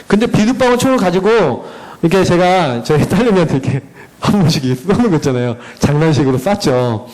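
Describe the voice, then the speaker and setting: On a rough recording, a slightly high-voiced man talks quickly while presenting slides at a church education session. He's a parent in his thirties who animatedly recounts stories about his kids and performs their dialogue.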